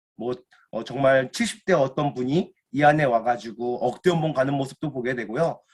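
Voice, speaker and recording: A man talks fairly quickly in a somewhat breathy voice. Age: 30s. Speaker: network marketing distributor. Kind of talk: motivational seminar talk. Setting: video call lecture. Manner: frequent fillers.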